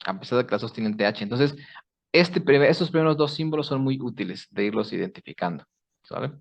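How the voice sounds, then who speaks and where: A man's voice: mid-range voice, lively intonation, quick pace, creaky. A man teaches pronunciation in an online class, walking his students through each sound step by step. He checks in with them often. The audio is a bit dull and lo-fi, like a video call. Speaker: English teacher.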